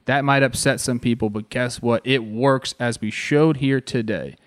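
A man's voice: medium pitch, steady tone, normal speed, no room sound, clean studio sound. A man hosting a sports show, explaining plays in a conversational way and putting rhetorical questions to the viewers. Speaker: sports show host and baseball analyst. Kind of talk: explanatory sports breakdown commentary.

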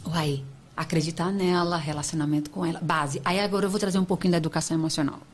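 A woman's voice: low voice, fast, a little hiss or hum. Emphatic woman psychologist on a podcast. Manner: emphatic, lively, animated explaining. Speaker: psychologist guest. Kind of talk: podcast interview talk.

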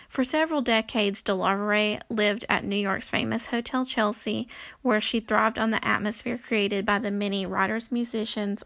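A woman's voice: medium pitch, fairly bright tone, no echo. A woman reading book passages aloud at home in a casual way, with frequent fillers and self-corrections. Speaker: reader presenting history from books. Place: home room.

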